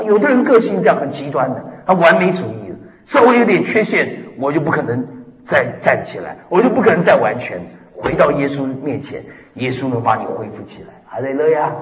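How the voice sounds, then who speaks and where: A middle-aged man preaching a sermon as pastor, lively and emphatic, dropping hallelujahs and amens between points. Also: a little high. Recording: echoey hall with long reverb.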